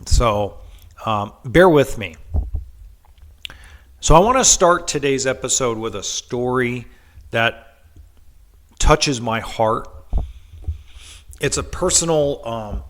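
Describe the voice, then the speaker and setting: A man with a stuffy head cold talks through a casual podcast monologue, pitch sitting right in the middle for a man. He tells a story loosely, with ums and restarts along the way. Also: lively intonation, slow, pauses often, a bit bright. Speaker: podcast host.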